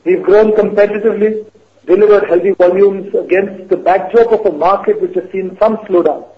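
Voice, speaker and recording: A man making formal, deliberate remarks with some hesitations as a senior executive on an earnings call. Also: high voice, steady tone. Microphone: conference call line. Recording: dull lo-fi conference call audio.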